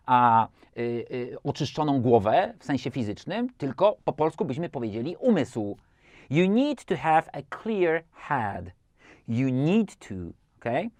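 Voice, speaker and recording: Lively male tutor, dry close mic, English examples read slow and deliberate. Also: on the high side, no room sound. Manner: slow, deliberate English example sentences between quick Polish explanations. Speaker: English teacher. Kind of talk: language lesson explaining word meanings.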